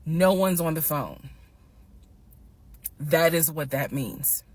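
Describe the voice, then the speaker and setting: Woman on camera telling a wild story, lowish voice, gets emphatic and slows right down on the big parts. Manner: animated, emphatic, slows down to stress key points. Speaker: storytime vlogger. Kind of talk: casual storytelling.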